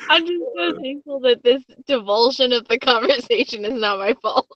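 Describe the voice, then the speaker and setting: A woman's voice: a little high, moderate pace, no room sound. A slightly tipsy woman chatting casually as a podcast's guest host, with a dull sound to the recording. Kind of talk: casual chat.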